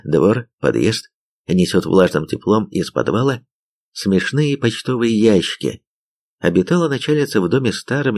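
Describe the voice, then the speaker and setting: A man narrating an audiobook in an even, wry storytelling manner. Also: lowish voice. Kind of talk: scripted narration.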